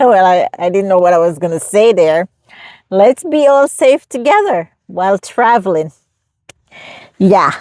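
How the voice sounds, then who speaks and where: A woman with a medium pitch and lively intonation speaks at a fairly slow pace with very even loudness and long, frequent pauses, the sound dry and close with no echo. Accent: Jamaican. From Jamaica. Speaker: travel vlogger. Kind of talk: casual vlog monologue. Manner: halting, repetitive.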